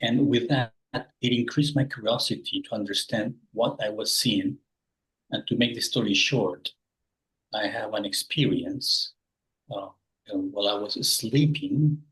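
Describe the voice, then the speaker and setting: Man in his sixties from Peru, low voice. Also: a little slow, fairly bright tone, low-quality recording. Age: 60s. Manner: searching for words, rephrasing as he goes. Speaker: guest. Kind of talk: interview answers.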